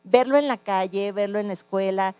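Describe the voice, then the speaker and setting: A woman's voice: medium pitch, a little fast, warm tone, clear, resonant tone, no echo. A woman interviewing a former teacher, asking earnest questions with some hesitation.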